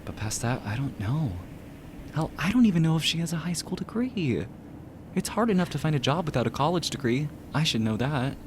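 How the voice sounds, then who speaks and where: A man playing an expressive, chatty young barista and worrier in a naturalistic audio drama. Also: fairly high pitch, a little fast, noisy background. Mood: worried.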